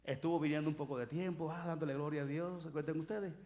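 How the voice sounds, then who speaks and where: Man, pastor, sermon, animated storytelling, fairly high voice. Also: fast talker. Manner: animated storytelling preacher, acts out dialogue. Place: church sanctuary.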